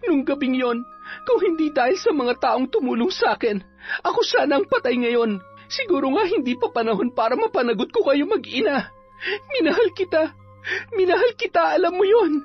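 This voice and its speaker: A man voicing a wronged young woman who speaks in a high, shrill, sobbing voice. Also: expressive, normal speed. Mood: tearful, furious. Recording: slightly dull, faint music.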